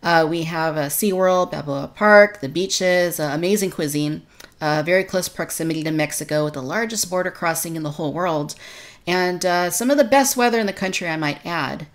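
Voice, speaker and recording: A woman's voice: fairly low pitch, moderate pace. A woman from Texas hosting a podcast in a conversational discussion style. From Texas, United States. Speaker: podcast host.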